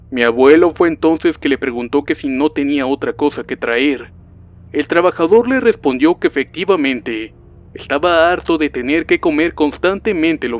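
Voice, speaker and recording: A man narrating a witch horror story in a calm, even storytelling voice. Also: on the high side. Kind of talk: scripted narration. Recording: dull lo-fi sound with faint music.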